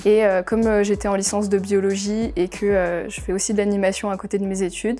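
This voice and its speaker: Woman at medium pitch, dark and mellow in tone, flat and monotone in intonation, at a fairly quick pace. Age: 20s. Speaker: university student. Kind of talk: testimony. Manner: hesitant, many filler sounds.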